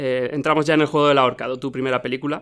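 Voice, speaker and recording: Fairly even intonation from a man with a fairly high pitch. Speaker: podcast host and film journalist. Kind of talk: casual interview chat.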